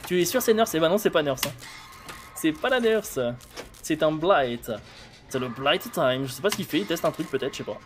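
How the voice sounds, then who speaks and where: A game streamer in his thirties thinks aloud while playing, giving blunt, informal live commentary from an indoor streaming setup. His voice is a little high with lively intonation and a moderate pace, and faint music plays behind him.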